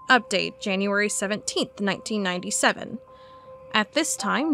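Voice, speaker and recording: A woman's voice: medium pitch, fairly bright tone, dry recording. A woman playing an inquisitive FBI cold case agent in an audio drama. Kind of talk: audio drama acting, reading case files aloud.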